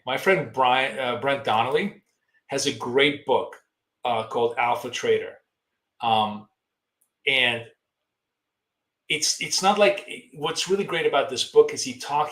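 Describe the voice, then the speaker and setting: A hoarse man talks through a live trading stream in a casual, rambling way, stopping to answer viewer questions. His voice sits at an ordinary middle pitch, and the room around him rings with a noticeable echo. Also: a bit bright. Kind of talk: live-stream market commentary.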